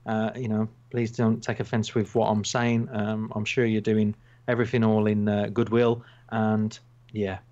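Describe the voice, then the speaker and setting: A man's voice: fairly low pitch, completely flat delivery, normal speed, a little mellow. Black Country man hosting a casual podcast. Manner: rambling, self-mocking, jokey. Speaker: podcast host. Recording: slightly dull, lo-fi sound.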